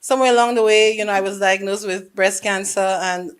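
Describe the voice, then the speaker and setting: A woman's voice: medium pitch, fairly even intonation, fairly quick, smooth. Candid middle-aged woman telling her story. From Saint Lucia. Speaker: laser hair removal business owner, guest.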